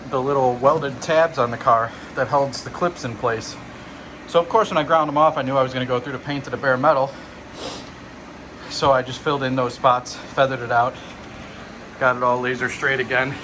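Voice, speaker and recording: A young man talks a little out of breath as he walks around a car in his garage, plainspoken and proud of every small detail he points out. His voice sits at an ordinary middle pitch. A steady fan hum and workshop noise stay clearly audible behind him on the camera mic. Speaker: car restorer showing his work. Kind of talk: casual walkaround video log.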